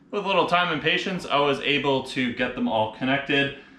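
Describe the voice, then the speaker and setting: Audible room echo surrounds a man with a bright, sharp tone. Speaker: car vlogger. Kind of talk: product review talk. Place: garage. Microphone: camera far.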